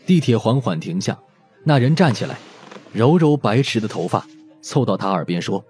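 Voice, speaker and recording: Animated male audiobook narrator. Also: mid-range voice, normal speed. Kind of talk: expressive scripted story narration. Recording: music behind the voice.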